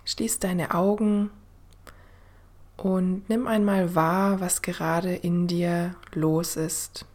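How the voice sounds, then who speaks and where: Slow, breathy woman guiding a meditation like sleep-story narration. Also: on the low side, fairly even intonation. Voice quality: soft, breathy, often dropping into near-whisper. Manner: gentle, unhurried, with long pauses. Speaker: podcast host and meditation guide.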